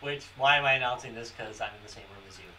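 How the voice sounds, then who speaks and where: A man's voice: medium pitch, rapid-fire, sharp tone, rough recording. A man complaining in a whiny way during a casual gaming session with friends in a shared room. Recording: clear background noise.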